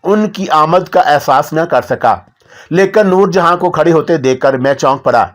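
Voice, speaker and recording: A man narrating a first-person novel in a measured storytelling voice. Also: a little high.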